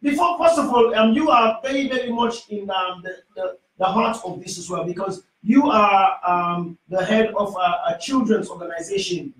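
Hesitant Sierra Leonean radio host, high voice. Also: male voice, moderate pace, few pauses, fairly bright tone, distant mic. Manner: hesitant, many "um" fillers. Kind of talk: call-in radio talk show. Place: small radio studio. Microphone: studio microphone, headphones. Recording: echoey studio from off-mic.

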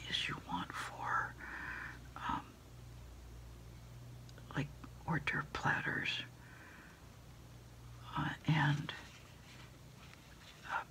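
Slow whispering American woman. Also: low voice, sharp tone. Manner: unhurried, hesitant, pausing as if listening to a caller. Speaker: ASMR creator role-playing a food delivery order taker. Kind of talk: whispered ASMR phone order role-play.

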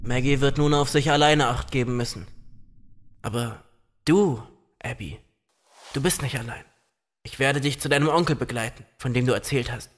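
A man playing a protective, gallant companion in an audio drama, calm and reassuring. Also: mid-range voice, normal speed, pauses often, no echo, close to an everyday voice. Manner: reassuring, gently teasing.

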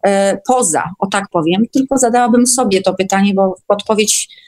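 A woman's voice: mid-range voice, normal speed, a little mellow. A woman guest in a casual online discussion, speaking in hesitant bursts with repeated words.

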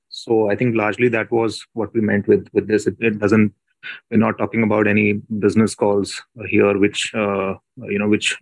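Hesitant low-voiced male executive. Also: no room sound, rough recording. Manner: hesitant, measured. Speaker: company executive. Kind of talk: spontaneous answers on an earnings call. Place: conference call.

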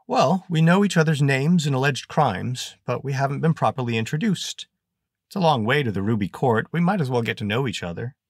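A man voicing a wordy, pompous gentleman adventurer, in a dry close recording. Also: mid-range voice, lively intonation, a little fast, no echo, voice pushed up.

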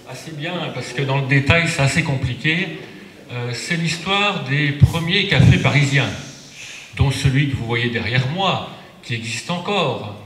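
A middle-aged male researcher giving a conference talk at a panel table, measured and hesitant, with many fillers. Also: mid-range voice, fairly bright tone. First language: French. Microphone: table mic on stand. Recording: echoey room with audience.

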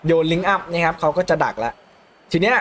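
A young man commentating his own football video game match, calmly explaining tactics between loud excited outbursts. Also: fairly high pitch, fast talker. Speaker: gaming YouTuber. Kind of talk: live gameplay commentary.

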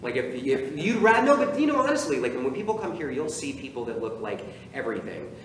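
A man's voice: mid-range voice, fast talker. A man, a theater director, chatting casually in an interview and gesturing as he talks. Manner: animated, talks with his hands, many restarts. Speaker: theater artistic director, guest. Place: theater stage. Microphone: far camera. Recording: echoey stage from far off with noise.

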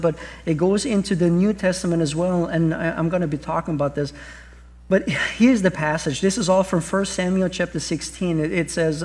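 On a large church stage with an audience watching, a middle-aged Austrian-accented pastor gives an earnest sermon. His voice is high and a little mellow, and he keeps restarting lines and throwing out rhetorical questions.

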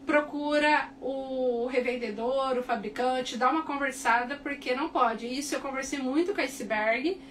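A Brazilian woman teaching cake decorating in a chatty, animated tutorial, often tagging her sentences with quick checks to the viewers. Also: high voice. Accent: Brazilian Portuguese. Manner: chatty, animated, repeats tag questions like "tá?" and "né?". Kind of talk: casual tutorial talk to viewers. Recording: distant mic with faint background noise.

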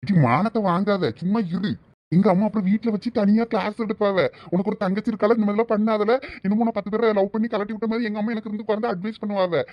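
Guy playing a young village lad, fast and defensive, dull dry sound. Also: high-pitched, fairly even intonation, no echo, natural voice. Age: young adult. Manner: quick, defensive, protesting. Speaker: comic skit actor. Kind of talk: village comedy skit acting.

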